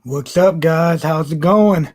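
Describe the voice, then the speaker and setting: A man with a blocked, stuffy nose and a slightly high voice chats as co-host. He talks in a relaxed way and swears freely. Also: takes it slowly. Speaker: podcast co-host. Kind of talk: casual chat.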